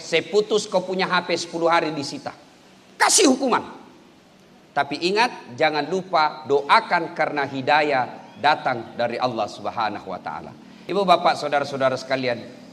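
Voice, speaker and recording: A man preaching a sermon, swinging between loud calls and soft murmured prayers. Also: fairly high pitch. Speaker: Islamic preacher. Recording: long hall reverb.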